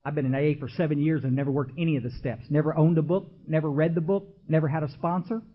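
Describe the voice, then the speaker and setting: A man's voice: fairly high pitch, steady tone, fast talker. A man, giving an emotional recovery talk from a podium and speaking straight to the crowd in a folksy way. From Texas. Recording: dull lo-fi archival tape.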